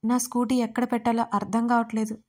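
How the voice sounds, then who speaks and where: A woman's voice: fairly high pitch, level tone, quick pace, dark tone, natural voice. A woman voicing a playful, childlike young woman who is dramatic and blurts things out, in a storybook reading.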